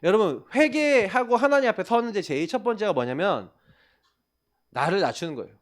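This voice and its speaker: A male pastor delivers a sermon to young people with a high, lively voice that swings up and down constantly. He keeps speaking straight to his listeners and poses questions that he answers himself. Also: a little fast. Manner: animated storytelling, addresses listeners directly and calls himself the pastor.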